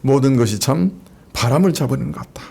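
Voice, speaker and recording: In a church sanctuary, a pastor delivers a sermon in a medium-pitched, husky voice that is warm, creaky and expressive, moving at a quick clip. His tone with the congregation is conversational, and he keeps asking them rhetorical questions.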